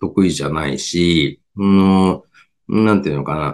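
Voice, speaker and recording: The man's voice sits at a very deep, low pitch. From Kawasaki, Kanagawa (Tokyo area), Japan. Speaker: ki healer and counselor. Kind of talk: casual podcast advice chat. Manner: calm, gentle; hesitant with many fillers.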